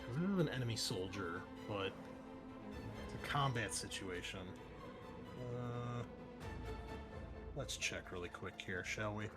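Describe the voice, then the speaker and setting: A man's voice: fairly low pitch, animated, slow, pauses often. A man running a tabletop roleplaying game as game master, narrating and explaining rules in an encouraging, conversational way. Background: music under the voice.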